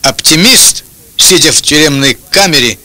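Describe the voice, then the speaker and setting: An older man tells short jokes one after another. His voice sits a little high and is strikingly bright and tense. The sound is dry and close to the microphone. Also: lively intonation, normal speed, dry recording. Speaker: joke teller. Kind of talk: telling short jokes and anecdotes. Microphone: handheld-type microphone held close, headphones on.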